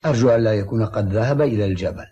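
A man's voice: on the low side, racing, mellow, husky, highs cut off. A man voicing a polite, hesitant young village doctor in an Arabic cartoon dub, earnest and easily pressured. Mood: polite, concerned.

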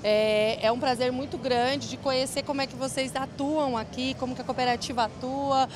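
A woman's voice: high-pitched, steady tone, moderate pace, noisy background. Cheerful young São Paulo woman. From São Paulo city, Brazil. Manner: cheerful, laughs easily. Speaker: bank branch manager, interview guest. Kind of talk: casual interview chat. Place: large indoor event hall with rows of chairs. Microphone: handheld mic.

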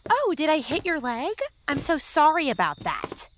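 A woman's voice: high-pitched, big pitch swings, moderate pace, noisy background. An actress playing a sugary, sly teenage girl in a comedic audio drama. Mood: mock-sweet.

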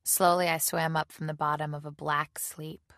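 Low, gravelly woman reading an audiobook. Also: little pitch movement, normal speed, fairly bright tone, dry recording, studio quality. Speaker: audiobook reader. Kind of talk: audiobook narration.

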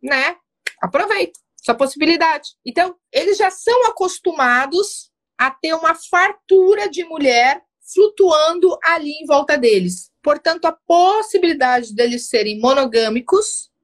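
A woman's voice: high-pitched, lively intonation, normal speed. A woman relationship coach giving firm, assertive advice to a caller, often checking in with short asides. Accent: Brazilian Portuguese.

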